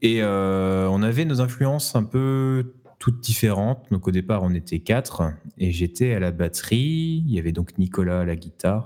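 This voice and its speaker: With a fairly low pitch and a dark, mellow tone, the man speaks at a fairly slow pace using lively intonation. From Vendée, western France. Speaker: musician, podcast co-host. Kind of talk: casual chat.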